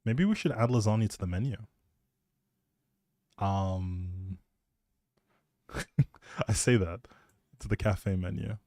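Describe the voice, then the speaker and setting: A man's voice: fairly low pitch, takes it slowly, pauses often, dark tone, no room sound. A young man rambling casually on a game livestream, playful and jokey as he chats back to viewers. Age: young adult. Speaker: live streamer and audio creator.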